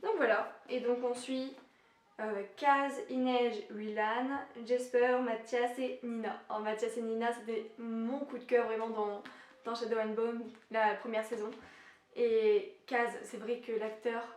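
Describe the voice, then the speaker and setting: A young woman chatting casually about her books as a vlogger, self-deprecating and quick to laugh. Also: a little high, level tone, recorded from a distance. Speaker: book vlogger. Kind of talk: casual book haul chat. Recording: echoey room.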